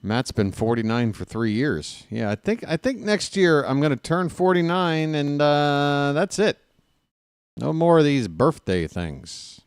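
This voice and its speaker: A man's voice: a little high, measured pace, clean tone, no room sound, studio quality. A man in his late forties doing casual live play-by-play of a baseball game, mixing calls with wry, sarcastic asides and grumbling. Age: 40s. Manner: gets loud and animated when ranting. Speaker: fan play-by-play broadcaster.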